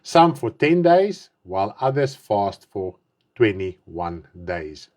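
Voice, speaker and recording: A very animated man in his fifties with a lowish, darkish voice preaches slowly in English during an online sermon. He's a South African pastor whose first language is Afrikaans, and his accent shows it. Earnest and emphatic, he repeats and rephrases himself and mentions that his mouth is dry.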